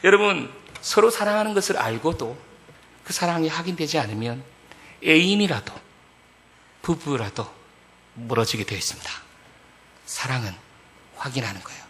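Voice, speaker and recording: A middle-aged male pastor delivering a sermon in an animated, storytelling way, speaking directly to his congregation. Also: a little high, moderate pace, long pauses. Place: church sanctuary. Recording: echoey church hall.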